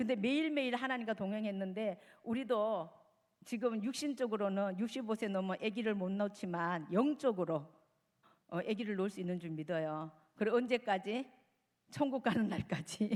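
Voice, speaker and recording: An unremarkable speaking voice from a woman, fairly high in pitch, with ordinary pitch variation and a moderate pace. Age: 60s. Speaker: guest preacher. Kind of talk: sermon. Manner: call-and-response questions.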